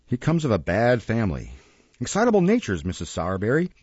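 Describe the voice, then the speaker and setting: A man's voice: medium pitch, huge pitch swings, fairly quick, a little mellow, breathy edge, no echo, muffled recording. A man voicing a pompous, stern parish beadle in an audiobook, declaiming emphatically. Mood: grave, pompous. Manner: declamatory, emphatic, deferential "ma'am".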